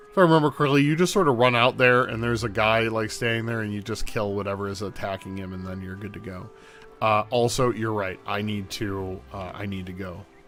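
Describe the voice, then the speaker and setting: With an American accent, a man with a fairly low pitch talks at a fairly quick pace with ordinary pitch variation over noticeable background noise. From Chicago area / Wisconsin, US Midwest. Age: middle-aged. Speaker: video game streamer. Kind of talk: casual live-stream chat. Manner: hesitant, many fillers.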